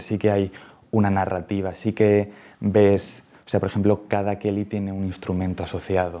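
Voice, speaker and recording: Fairly low male speech, dark and mellow in tone. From Spain, Torrevieja (Alicante); Spain. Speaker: playwright and director. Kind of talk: interview. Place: studio. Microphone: lapel.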